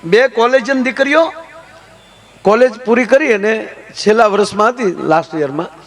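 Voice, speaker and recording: A man telling folk jokes on stage, acting out characters in changing voices and adding preachy asides. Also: moderate pace. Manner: animated, swings pitch to act out quoted characters. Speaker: folk humorist. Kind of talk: live folk comedy storytelling.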